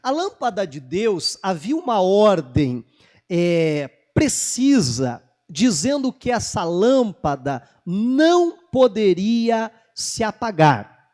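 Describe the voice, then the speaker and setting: A man's voice: sits high, slow. A man preaching a sermon as pastor, joking with the congregation and acting out Bible dialogue. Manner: lively, jokes with the congregation, acts out Bible dialogue.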